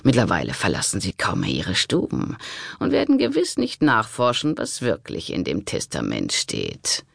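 This is a crafty, conspiring monk from a historical audiobook, voiced by a male reader. He talks slowly and smoothly in a gravelly voice. It is recorded close, in a dry space. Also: lowish voice, huge pitch swings, a bit bright, dry recording, voice pushed down, heavily acted. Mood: conspiratorial. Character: sly scheming monk, smooth and persuasive.

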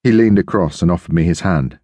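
A man narrating an audiobook in the first person, steady and measured. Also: deep voice, dry recording.

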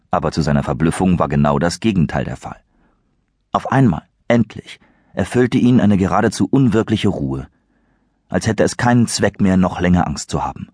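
A man narrates a thriller audiobook in a low, husky voice. His reading is measured and suspenseful. The sound is dry and close. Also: a little mellow, no room sound. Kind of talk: scripted narration.

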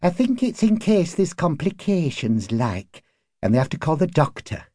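A man's voice: fairly high pitch, big pitch swings, moderate pace, mellow, dry recording, clean studio sound, voice pushed up. A man voicing an anxious, deferential working-class woman neighbour in an audiobook, with urgent, hesitant, colloquial speech. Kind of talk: audiobook character acting.

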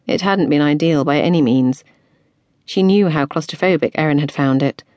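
Woman audiobook narrator, low voice with lively rise and fall, dry close studio sound. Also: no echo. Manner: expressive, playful storytelling. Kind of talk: scripted narration.

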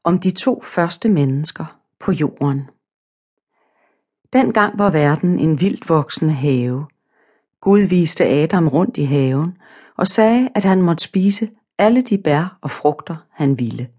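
A woman narrating a children's storybook audiobook in a calm, simple, measured way. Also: deep voice, slightly rough.

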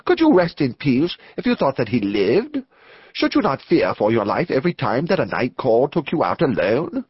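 A man voicing a nervous, excitable clergyman in an audiobook, hesitant and emphatic, in a slightly dull recording. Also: medium pitch, normal speed, slightly rough, dry recording, voice pushed up. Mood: excited, urgent. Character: nervous, excitable clergyman with truculent fierce energy. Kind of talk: audiobook character acting.

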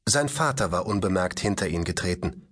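A man narrating a science-fiction audiobook in an expressive, scripted storytelling delivery. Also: low-pitched, a little fast.

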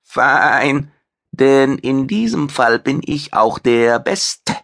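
A male narrator voicing a proud, boastful horned and furry alien cook with hard, clipped speech, pitched higher and louder than his narration. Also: animated, drawn-out words, vocal fry, exaggerated voice. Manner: boastful, blustering.

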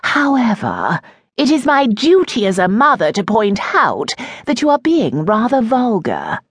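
A woman voicing a haughty aristocratic older mother with an arch, sarcastic, measured delivery. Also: fairly high pitch, huge pitch swings, breathy edge, dry recording, voice pushed up, full character voice. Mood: cutting.

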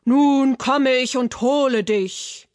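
Big ugly troll guy done by a woman, slow loud threatening calls from under a bridge, storybook. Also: high-pitched, no echo, clean studio sound. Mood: menacing. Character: big hideous bridge troll, male, menacing.

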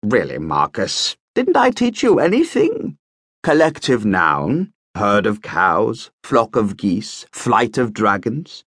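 A man's voice: mid-range voice, very animated, takes it slowly, long pauses, sharp tone, slightly rough, dry recording, heavily acted. Pompous old professor, prim and lecturing, read by a man; dry storybook read.

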